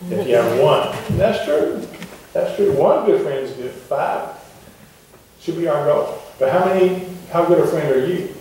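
A middle-aged man preaching a sermon to his congregation in a wooden church, talking in a relaxed, conversational way and asking the pews questions. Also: a little high, unhurried, slight background noise. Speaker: pastor. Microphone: far camera at the back of the church. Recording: echoey church heard from far off.

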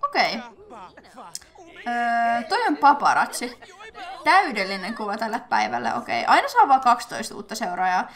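A young woman from Finland chatting casually as she plays a life-simulation game, thinking aloud with fillers and quick bursts of excitement. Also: fairly high pitch. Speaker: gaming YouTuber. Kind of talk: casual let's-play commentary.

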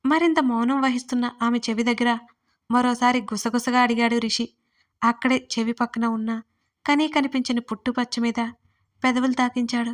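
A woman, writer and narrator of her own audio romance stories, telling them in a steady, even manner. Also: a little high, normal speed.

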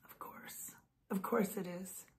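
A woman in her fifties, a vlogger and author, whispers slowly in a darkish tone while chatting casually to camera in a room at home. She's enthusiastic and talks with her hands, recorded close up on a phone or webcam.

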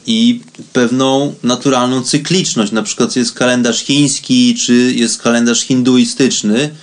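A man hosting a spirituality radio show, giving a reflective solo monologue in a conversational way, addressing listeners directly. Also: mid-range voice.

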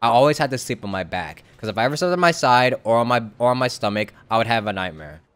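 A man doing casual live-stream commentary over a game, talking in a rambling, halting, conversational way. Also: medium pitch, lively intonation, fairly bright tone, slight background noise.

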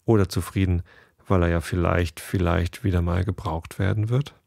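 A man hosting a podcast, reading a first-person story in a calm, measured way. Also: low-pitched, creaky, no echo, studio quality.

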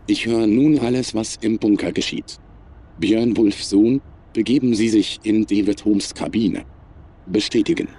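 A man playing a cold, superior, menacing artificial intelligence in a science fiction audio drama, speaking in a measured, formal, emotionless way. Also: on the low side, fairly even intonation, mellow, slightly rough. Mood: detached, commanding.

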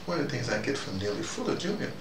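A man in his fifties giving a rambling spoken talk to a small group, jumping between ideas and leaping up in pitch for emphasis. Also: very animated, racing, vocal fry. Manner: digressive, with sudden rising emphasis. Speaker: commentator speaking to a small audience. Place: small room indoors. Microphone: far camera mic. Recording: roomy, distant, noisy.

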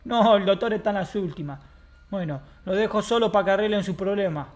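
Man, Argentine accent, high voice, brash swaggering role-play streamer. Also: fairly quick. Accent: Argentine Spanish. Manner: brash, mocking, swaggering street talk. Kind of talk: in-character game role-play.

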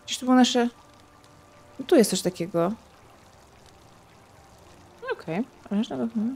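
A woman's voice: on the high side, lively intonation, measured pace, gravelly, darkish tone, a little hiss or hum. A woman casually commenting while playing a game, thinking aloud and adding playful sound effects over faint game sounds. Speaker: gaming streamer. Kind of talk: casual let's-play commentary.

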